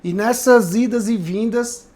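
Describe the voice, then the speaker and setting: A man's voice: sits high, a little slow, darkish tone. Man, pastor, heartfelt testimony, conversational, tag questions. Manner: earnest, reflective storytelling with frequent tag questions. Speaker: pastor and podcast guest.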